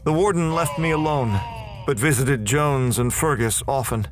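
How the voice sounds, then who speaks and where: A man's voice: mid-range voice, moderate pace, over music. A man performing scripted, dramatic first-person narration for a horror audio drama.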